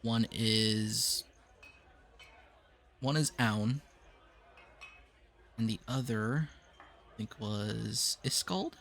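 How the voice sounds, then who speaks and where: Slow-spoken male game master. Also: lowish voice, fairly bright tone. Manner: slow, measured lore explanations. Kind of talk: narrating a tabletop game.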